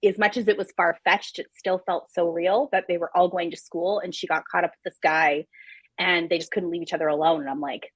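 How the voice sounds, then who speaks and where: A woman talks casually in a live book discussion as one of the hosts. Her voice is a little low and husky, and it sounds close and dry, with very little room in it. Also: steady tone, brisk, no echo. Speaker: book club live show host.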